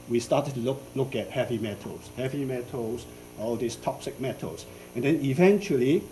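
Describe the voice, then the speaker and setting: An older man from Hong Kong delivers an academic lecture at an unhurried pace, often pausing on fillers and restarting his sentences. His voice is warm and mellow. A faint background hiss sits under the room. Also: medium pitch, rough recording. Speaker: invited professor giving a symposium talk. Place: lecture hall.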